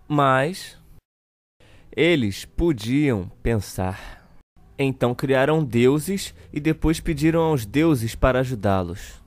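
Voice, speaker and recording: A man with a Brazilian accent playing a children's TV uncle who reads a storybook slowly and deliberately to children. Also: medium pitch, expressive, no echo. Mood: storytelling. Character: children's TV show host uncle reading a satirical storybook. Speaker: storyteller host of a kids' show.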